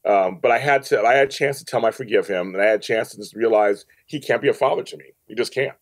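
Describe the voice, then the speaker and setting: A man's voice: lowish voice, quick pace, dry recording. A middle-aged man talking candidly as a podcast guest, emphatic and repeating phrases to make his point. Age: middle-aged or older, grandfather. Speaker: podcast guest, media company CEO. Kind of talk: candid conversational interview.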